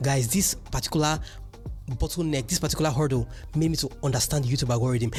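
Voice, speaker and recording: A man's fairly high, animated voice at a very fast pace, with music in the background. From Nigeria. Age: 20s. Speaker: vlogger. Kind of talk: casual vlog monologue. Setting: talking to camera. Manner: occasional stutter.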